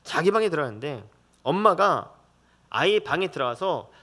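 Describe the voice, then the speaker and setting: Lively high-voiced Korean pastor preaching. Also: male voice, moderate pace. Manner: conversational storytelling sermon, acts out family voices. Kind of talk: sermon.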